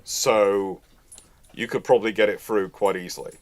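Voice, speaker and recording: A man's voice: on the low side, steady tone, normal speed, darkish tone. A man hosting a live question-and-answer chat, talking in a rambling way and often repeating and rephrasing himself. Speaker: host answering audience questions.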